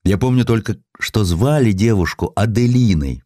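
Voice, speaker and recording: A poor, worn-out former sailor , acted by a male reader, speaks in a deep voice with blunt, salty plainness. He is gruff and proud yet kind-hearted, and his pitch moves freely in a dry, close audio-story recording. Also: expressive, normal speed, warm tone, no echo. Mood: earnest storytelling.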